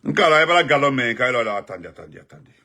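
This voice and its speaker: A man delivers rapid-fire, animated political commentary on a live stream, greeting viewers. Excited, he repeats himself, and his pitch jumps sharply whenever he stresses a point.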